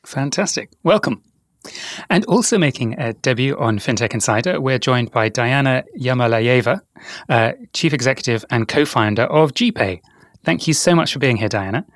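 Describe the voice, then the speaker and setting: A man's voice: mid-range voice, expressive, normal speed, no echo, clean studio sound. A man hosting a finance podcast, reading a polished intro and then putting questions to his guests. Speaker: podcast host.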